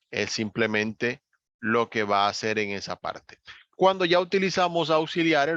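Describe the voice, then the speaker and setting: A man's voice: medium pitch, fairly bright tone, no room sound. A man teaching English grammar in an online class, explaining patiently step by step and lifting his voice on key words. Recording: dull, slightly lo-fi dry recording.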